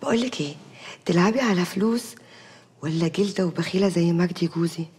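A middle-aged actress with an Egyptian accent playing a blunt, dismissive aunt who talks brusquely. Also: female voice, fairly low pitch, fast, a little mellow, a little hiss or hum, lightly acted. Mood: brushing off. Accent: Egyptian Arabic. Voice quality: brusque, offhand. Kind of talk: TV drama acting.

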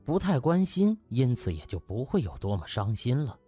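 A man's voice: mid-range voice, very animated, moderate pace, warm tone, breathy edge, soft background music. A man narrating a novel as a dramatised audiobook.

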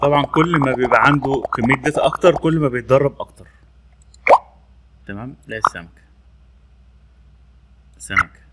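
A man's voice: medium pitch, quick pace, long pauses, noisy background. A man with an Egyptian Arabic accent presents a casual tech tutorial, repeating labels as he demonstrates a training tool. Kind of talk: casual screen-recorded tutorial.

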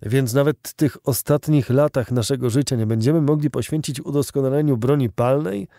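A man's voice: mid-range voice, moderate pace, dark tone, no room sound, clean studio sound, voice pushed up, lightly acted. A man reading the lines of an indignant old male artillery veteran in a fervent, declamatory audiobook voice.

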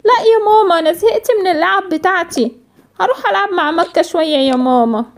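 Woman voicing an eager, insistent little Egyptian girl for a cartoon, very high and rapid. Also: a little hiss or hum. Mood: pleading. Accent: Egyptian Arabic. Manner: eager, pleading, breathless chatter.

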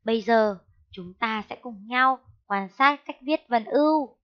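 A woman teaching a first-grade lesson, speaking slowly and clearly and spelling out syllables in a raised, sing-song voice. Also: on the high side. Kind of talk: slow, clear classroom lesson. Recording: dull lo-fi sound.

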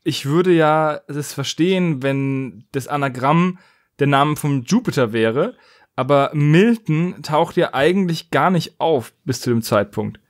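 Male cohost, slightly high voice, casual chat, questions everything. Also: a little slow. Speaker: podcast host. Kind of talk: casual discussion.

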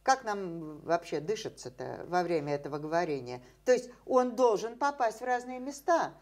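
A woman's voice: mid-range voice, animated, moderate pace. An older woman, a scientist guest in an interview, explaining ideas at length with many fillers and rhetorical questions, seated in a dim indoor room.

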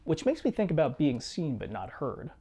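A man's voice: on the high side, huge pitch swings, breathy edge. Reflective man narrating a personal video essay. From United States. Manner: measured, reflective storytelling with quiet asides. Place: small home studio room with guitars and shelves.

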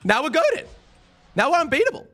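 A young man streaming a game live, excitable and worn-voiced, swinging from mumbles to yells. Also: extremely high pitch, brisk, faint music behind. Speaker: gaming streamer. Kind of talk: live-streamed gameplay chat.

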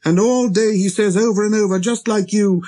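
A man voicing an earnest, persistent little boy prince in a storybook, with a high, light, childlike voice and an insistent way of talking. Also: fairly even intonation, moderate pace, dark tone, close to an everyday voice. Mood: indignant. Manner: insistent, questioning.

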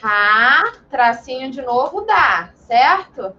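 A woman's voice: high voice, big pitch swings, bright, forceful tone, a little hiss or hum. A woman teaching an online class to young children, patient and encouraging, with lo-fi video call audio. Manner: patient, slow and encouraging, calls herself "tia". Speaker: primary school teacher.

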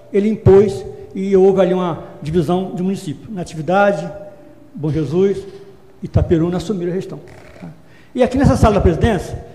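High-voiced councillor in an echoing chamber. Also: male voice, darkish tone. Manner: earnest, repetitive, restates his position. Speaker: city councillor. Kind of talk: formal council floor speech. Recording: echoey hall with long reverb.

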